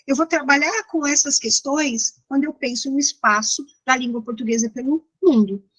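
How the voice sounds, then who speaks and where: A woman with a São Paulo Brazilian accent and a fairly high voice lectures informally. She explains things in a didactic but conversational way, as in an interactive class. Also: fairly bright tone, poor audio. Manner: didactic, conversational, checks in with listeners. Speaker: university lecturer.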